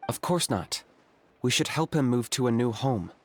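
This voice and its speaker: A man playing a calm, practical young tribal hunter in a video game, with a dry, matter-of-fact delivery. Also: mid-range voice, moderate pace, a little hiss or hum, natural voice. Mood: firm, practical. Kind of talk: video game character acting. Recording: game music behind the voice.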